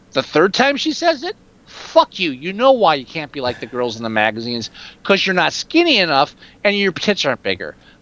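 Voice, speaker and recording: On a very clean recording with a silent background, a man talks fairly quickly in a high, bright, sharp voice with very wide pitch swings. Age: 40s. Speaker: podcast host reviewing bad movies. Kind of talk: casual chat. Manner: animated.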